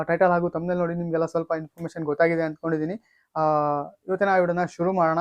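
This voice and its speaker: A man hosting a casual news update video, speaking haltingly with drawn-out hesitations and repeated stock phrases. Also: on the high side, a little mellow, no echo. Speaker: YouTube channel host. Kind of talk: casual film and gaming news update to camera or mic.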